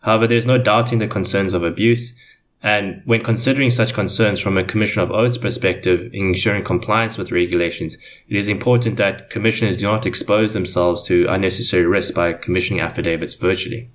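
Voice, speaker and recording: A man's voice: low-pitched, fairly even intonation, fast, a little hiss or hum. A man giving formal, wordy explanations as a panelist in a semi-scripted legal discussion.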